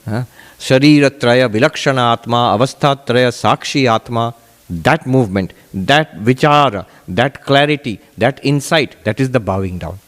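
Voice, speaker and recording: A man teaching as a Hindu monk, answering questions in a deliberate, emphatic way with repeated phrases. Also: medium pitch. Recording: echoey hall with long reverb.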